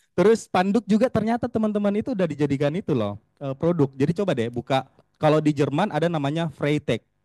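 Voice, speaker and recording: A man's fairly high, dark and mellow voice at a very fast pace, with very wide pitch swings, hardly any pauses, and a dry, close sound with no echo. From Makassar, South Sulawesi, Indonesia. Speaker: social entrepreneur, law alumnus. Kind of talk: presentation talk to students. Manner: casual, with filler words.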